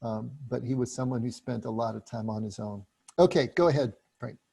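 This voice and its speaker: A man leading a group book study, explaining passages in a relaxed, chatty way with frequent restarts. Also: medium pitch, a little fast, gravelly, husky.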